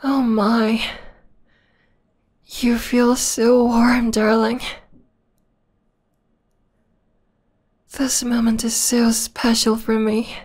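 Woman doing a clingy obsessed vampire girl, asmr roleplay, soft whispery voice, kinda high and pretty even, sweet but creepy. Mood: tender, cuddly. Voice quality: soft, breathy, often whispering. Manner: slow, cooing, intimate, possessive. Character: obsessive, possessive young female vampire, sweetly menacing lover.

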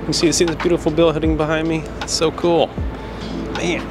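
A man's voice: a little high, level tone, normal speed. An American man in his thirties from Louisiana talks casually and reflectively as he walks outdoors, rambling informally into a handheld camera. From Shreveport, Louisiana, United States. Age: 30s. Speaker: vlogger, creative freelancer. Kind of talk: casual walk-and-talk vlog. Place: outdoors on a downtown street. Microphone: handheld camera at arm's length. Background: background music.

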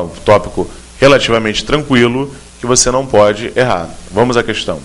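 A man with a Brazilian Portuguese accent walks through a grammar question in an exam-prep video lesson, explaining clearly and methodically while addressing the student directly. His voice is on the low side with a fairly bright tone.

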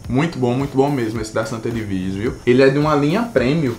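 A man's voice: medium pitch, rapid-fire, darkish tone, a little hiss or hum. A Brazilian man vlogging a taste test, talking with enthusiasm while chewing his food. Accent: Brazilian Portuguese. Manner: enthusiastic, emphatic praise. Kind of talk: casual taste-test vlog.

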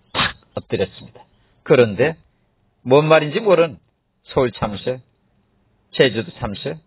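Guy spinning a funny story outside, kinda high voice, dry lo-fi audio. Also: slightly rough, no room sound. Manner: animated, playful joke-teller. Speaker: vlogger telling a joke. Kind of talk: comic storytelling. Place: outdoors by a road.

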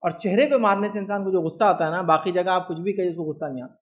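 A man with an Indian Hindi-Urdu accent delivers an Islamic religious lecture in a high-pitched, rapid-fire voice. His manner is conversational, and he keeps asking listeners, "do you understand?"

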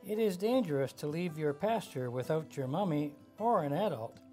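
A kind, motherly farm cow in a children's puppet show, voiced by a woman. The voice is lower, gentle and caring. Soft music plays faintly. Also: lively intonation, normal speed.

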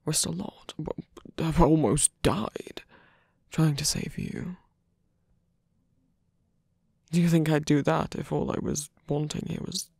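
A man playing a tender, teasing villain in an intimate ASMR roleplay, breathy and hesitant, often dropping to a whisper. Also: fairly high pitch, no echo, studio quality, full character voice. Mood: earnest, vulnerable. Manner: hesitant, halting, soft-spoken. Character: male villain, tender, teasing, smitten with rescuer. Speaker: voice actor.

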